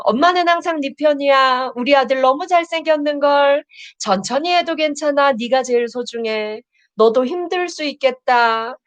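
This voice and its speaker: A woman counselor gives a live-streamed lecture, asking her audience questions and reading their chat comments aloud with lively expression. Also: mid-range voice, no echo, highs cut off.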